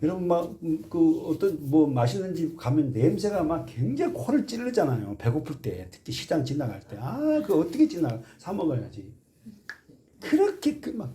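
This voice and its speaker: A male pastor delivers a Sunday sermon in a high, restless voice that leaps all over its range. He questions the congregation, leads them in reading aloud, and moves between hushed, intimate asides and loud, emphatic appeals. Casual, folksy remarks break in between the scripture points. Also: sing-song, normal speed. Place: church sanctuary.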